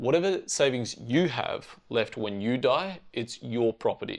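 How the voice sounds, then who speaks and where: A man talks with an Australian accent. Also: quiet background. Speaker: political commentator. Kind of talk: video essay commentary.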